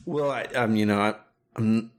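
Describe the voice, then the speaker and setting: Here a middle-aged South African man, a director and animator, talks informally as an interview guest at a moderate pace in a lowish voice. His speech meanders, full of restarts and filler words.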